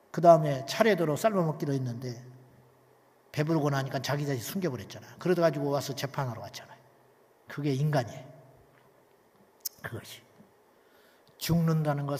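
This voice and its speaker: High-pitched pastor guy preaching, goes soft then loud, lots of rhetorical questions, big church echo. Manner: emphatic, swings from hushed to loud, rhetorical questions. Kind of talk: sermon.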